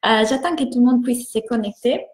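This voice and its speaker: An enthusiastic woman with an Italian accent coaches and greets viewers on a live stream. Her voice sits fairly high, and the room around her echoes. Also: brisk. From Italy. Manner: enthusiastic, warm greetings, repeats words.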